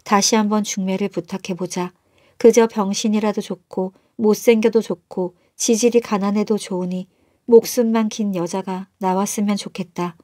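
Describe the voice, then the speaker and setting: A woman's voice: mid-range voice, steady tone, normal speed, a little mellow, no echo, clean studio sound, close to an everyday voice. A woman voicing a lonely, fretful middle-aged male magistrate in a storybook, brooding and earnest. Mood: wistful. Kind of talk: storybook narration.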